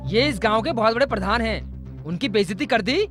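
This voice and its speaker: A man dubbing the bride's brother in a Hindi film dub, talking loudly and forcefully. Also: sits high, expressive, a little fast, music in the background. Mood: emphatic. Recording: film dub with loud background score.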